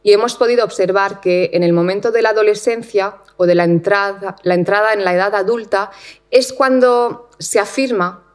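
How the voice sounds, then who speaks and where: A woman researcher giving a conference talk in a lecture hall, measured, with frequent fillers and repeated words. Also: mid-range voice.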